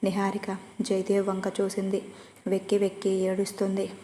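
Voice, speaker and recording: A woman's voice: medium pitch, monotone, normal speed, warm tone, slight background noise. A woman narrating a romance story, reading steadily and evenly.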